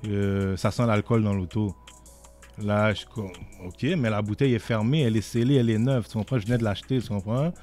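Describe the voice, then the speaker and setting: A man's voice: fairly low pitch, brisk, faint music behind. A young man with a Québécois French accent, casually telling a story as a podcast guest and often asking "tu comprends?". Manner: animated, repeats "tu comprends?" often.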